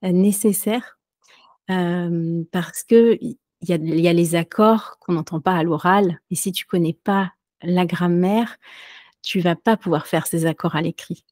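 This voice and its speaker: A woman who teaches French, answering interview questions casually with many pauses and fillers. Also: on the low side, steady tone, darkish tone, no echo, clean studio sound. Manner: hesitant, many fillers and restarts, light laughs. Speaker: French teacher and podcaster, guest.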